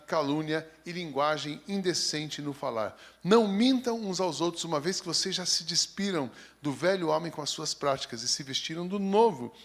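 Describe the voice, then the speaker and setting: High-voiced Brazilian pastor preaching. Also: male voice, a bit bright. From São Paulo, Brazil. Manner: reads scripture steadily, then chats in a folksy, joking way. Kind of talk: sermon with scripture reading.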